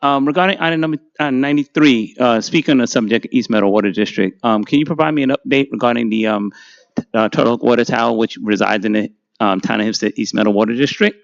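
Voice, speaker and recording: Gravelly new guy at the podium, lots of ums, fast but halting, lo-fi stream. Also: medium pitch, no echo. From Uniondale, New York. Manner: hesitant, many filler sounds. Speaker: resident speaking at public comment. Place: town hall meeting room at a podium. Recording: dull lo-fi audio, podium mic at a distance.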